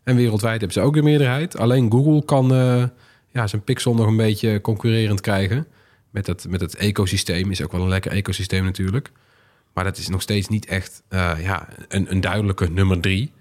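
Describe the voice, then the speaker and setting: A man's voice: on the low side, fairly even intonation, brisk, darkish tone. A man hosting a podcast, chatting casually about technology. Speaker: podcast host. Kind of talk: casual tech podcast chat.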